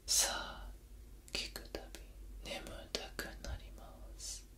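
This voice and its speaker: A young man performs a whispered role-play as a calm hypnotist. He breathes each phrase right into your ear in an unvoiced whisper, very slowly and soothingly. The close binaural mic carries his repeated, lulling suggestions. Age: young adult. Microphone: close binaural ASMR microphone.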